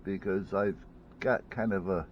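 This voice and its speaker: A man's voice: low-pitched, steady tone, a little slow, dull audio, slight background noise. A man chatting casually at home about a headset he bought, rambling, with many restarts and fillers. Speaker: vlogger reviewing gadgets. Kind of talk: casual unboxing chat.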